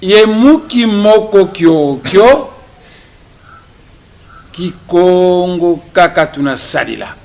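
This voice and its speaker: A man whose first language is Kikongo, giving a deliberate press conference statement as a politician. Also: high-pitched, animated, darkish tone. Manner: slow, deliberate delivery, switching between French and Kikongo.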